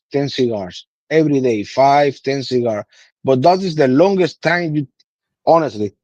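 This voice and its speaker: A man's voice: on the high side, no echo. A man in his thirties from Cuba with a Cuban Spanish accent and Spanish as his first language, telling stories in an interview with many restarts. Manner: animated storytelling with many restarts. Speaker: guest, cigar master blender. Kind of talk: casual interview. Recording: slightly dull lo-fi sound.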